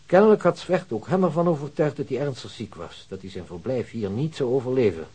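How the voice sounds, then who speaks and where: An actor playing a helpful, unhurried hospital staff member in a radio drama, measured and deliberate. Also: male voice, medium pitch, lively intonation, warm tone, slightly rough. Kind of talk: naturalistic radio drama acting.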